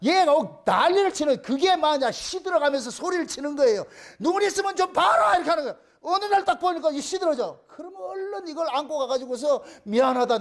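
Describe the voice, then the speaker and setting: Animated high-voiced male pastor preaching. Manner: emphatic, repetitive, full of rhetorical questions. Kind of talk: sermon.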